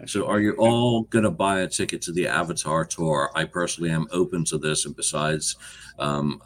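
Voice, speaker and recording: A male podcast co-host in casual live chat, speaking in a measured way and reading out viewer comments. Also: a bass voice, fairly even intonation.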